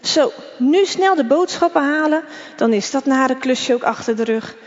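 A woman's voice: high-pitched, animated, moderate pace, long reverb tail, dull audio. A woman voicing a stubborn, earnest schoolboy in a read-aloud story. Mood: firm. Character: proud, stubborn poor schoolboy.

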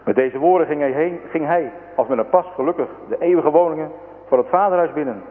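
A man's voice: fairly high pitch, quick pace, phone-quality sound. A man narrating a religious story in a solemn, preaching manner. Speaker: story reader. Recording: thin echoing radio broadcast.

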